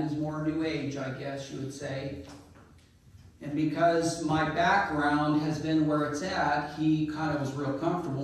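Loud folksy man in an echoey hall. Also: fairly high pitch, slight background noise. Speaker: church speaker. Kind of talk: informal sermon talk. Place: church sanctuary. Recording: echoey church hall, distant mic.

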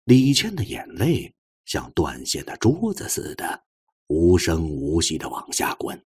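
Deep, husky male audiobook narrator. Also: wildly swooping pitch, a little slow, darkish tone. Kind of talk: expressive scripted novel narration.

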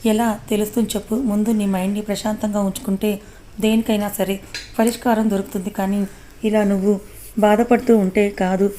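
A woman voicing a loyal male friend who gently scolds and reassures his grieving friend. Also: mid-range voice, level tone, a little fast, a little hiss or hum, close to an everyday voice. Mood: consoling.

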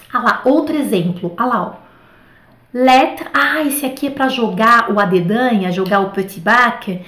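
In an echoey room, a Brazilian woman teaches French online in a chatty, easygoing way. Her voice is on the high side, and she's animated, dropping plenty of little fillers like "tá" and "né."

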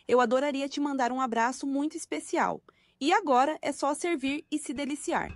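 A woman's voice: high-pitched, normal speed, no room sound, clean studio sound. A Brazilian woman reading a scripted cooking tutorial as a voice-over. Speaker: recipe video narrator.

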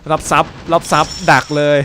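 A man playing a mobile shooter and commentating, playful and often breaking into loud, excited yelling during fights. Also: fast talker, soft background music. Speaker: gaming YouTuber.

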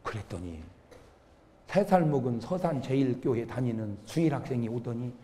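A man's voice: mid-range voice, a little fast. A male pastor delivering a humorous revival sermon, telling stories and acting out the quotes. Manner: lively storytelling with acted-out quotes. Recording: long reverb of a church hall.

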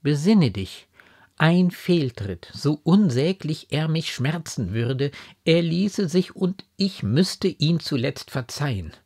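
A proud, stern aristocratic mother exclaims in indignant, elevated phrases, as a man reading a storybook puts her on. The voice rises above his own and sounds slightly husky. The pitch sweeps up and down with each outburst. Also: big pitch swings, slow pace, a little mellow, full character voice.

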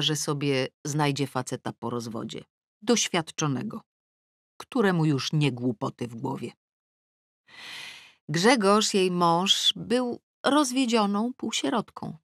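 A woman narrating an audiobook in the first person with a wry, ironic delivery and lively pitch swings, close to the mic. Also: measured pace, no echo. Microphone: close studio mic.

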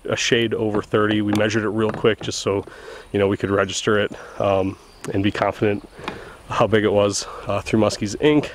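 A man's voice: fairly low pitch, a little hiss or hum. Chatty man vlogging from a river boat. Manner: excitable, chatty, talking straight to camera. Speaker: host of fishing channel. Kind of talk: casual fishing vlog. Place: outdoors on a small boat on a river. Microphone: handheld camera at arm's length.

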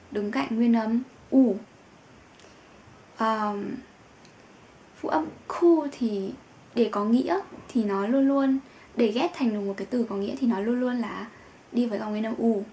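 A woman teaching German pronunciation in a patient lesson, with drawn-out fillers and each example word said twice. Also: fairly high pitch, mellow, a little hiss or hum. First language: Vietnamese.

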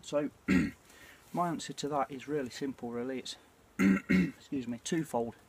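A British bushcraft vlogger in his forties talks casually and reflectively to camera beside a small campfire outdoors at night, hesitating and clearing his throat. His voice is medium-pitched, a little slow and a little mellow, with the campfire's ambient noise clearly audible.

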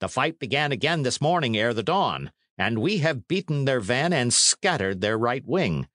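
A man's voice: mid-range voice, big pitch swings, normal speed, fairly bright tone, dry recording, studio quality, pitched above the performer's own voice. A man reading a storybook as a medieval messenger, formal and reproachful, with archaic, urgent speech.

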